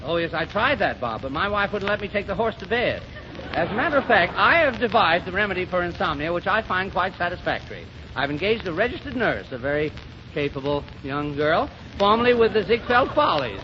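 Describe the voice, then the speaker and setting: A man's voice: sits high, sing-song, fairly quick, dull audio, noisy background. A man doing 1930s radio comedy banter in a pompous, blustering, flustered way, heard on an old broadcast recording. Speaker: comedian in radio variety show.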